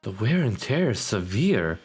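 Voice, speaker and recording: A man's voice: lowish voice, sing-song, a little slow, darkish tone, faint music behind. A man streaming a game, giving offhand, casual commentary and muttered reactions.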